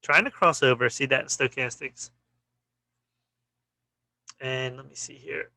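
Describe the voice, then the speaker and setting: A man's voice: mid-range voice, a little slow, vocal fry, pushed and bright, no room sound, rough recording. A man hosting a stock trading channel, walking through charts in casual, clipped phrases and often saying "you know".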